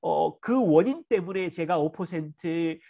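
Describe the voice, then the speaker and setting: Animated, high-pitched Korean pastor teaching. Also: male voice, measured pace, vocal fry. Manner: earnest, acts out parent and child dialogue. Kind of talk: teaching a church parenting seminar.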